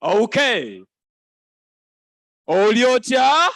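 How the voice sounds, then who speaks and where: A man hosting a live event on stage, playful and quick to laugh as he teases the crowd into repeating greetings. His voice sits high for a man. The sound is dry and close, with little room echo. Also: sing-song, a bit bright. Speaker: event host. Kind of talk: lively crowd interaction. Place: conference hall stage.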